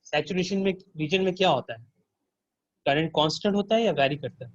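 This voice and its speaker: A man's voice: on the high side, fairly quick, no room sound, highs cut off. A man working as a teaching assistant, walking students through a circuit simulation and quizzing them with questions.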